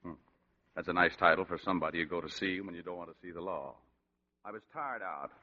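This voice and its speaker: A cynical hard-boiled private eye. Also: male voice, low-pitched, fast talker. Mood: wry. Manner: wisecracking first-person narration. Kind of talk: 1940s radio acting. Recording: dull old radio broadcast.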